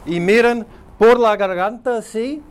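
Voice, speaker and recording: Slow-talking male phonetics teacher. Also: high voice, clean tone. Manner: slow, explanatory, thinking aloud with fillers. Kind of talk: spoken lecture.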